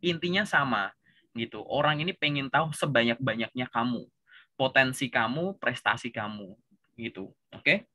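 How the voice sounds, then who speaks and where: A man with a Javanese accent giving a relaxed, chatty coaching session and tagging his sentences with filler words. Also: mid-range voice, moderate pace. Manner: relaxed, chatty, says "gitu" constantly. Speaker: career coach.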